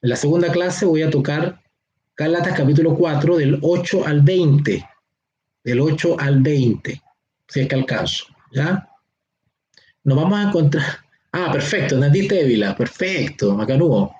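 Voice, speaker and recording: A man with a Chilean accent teaching a Bible seminar online. He explains slowly, stretches key words and keeps checking that his listeners follow. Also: a little high, lively intonation, a little mellow, dull audio. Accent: Chilean Spanish. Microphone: online class or teleconference.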